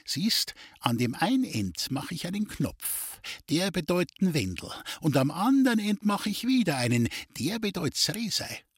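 A man's voice: high voice, big pitch swings, moderate pace, few pauses, husky, no echo, studio quality, pitched above the performer's own voice, heavily acted. A man voicing a sly, scheming male vagabond trickster in an audiobook, coaxing and insistent in dialect. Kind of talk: audiobook character reading.

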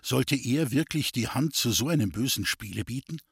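A man narrating a literary story in an expressive storytelling read. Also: medium pitch, moderate pace, creaky, slightly rough, dry recording, studio quality. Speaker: audiobook narrator.

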